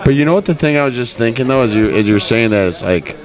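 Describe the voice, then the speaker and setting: A man hosting a casual interview, chatty and agreeable, quick to joke and laugh. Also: mid-range voice, lively intonation, rough recording. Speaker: podcast host. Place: busy tattoo expo floor. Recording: loud crowd noise around. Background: loud crowd chatter.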